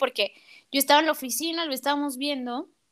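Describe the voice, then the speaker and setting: A woman with a Mexican accent speaks at a high pitch in a bright, sharp tone. The recording is very clean, dry and close with no echo, over a silent background. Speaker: podcast host. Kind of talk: interview conversation.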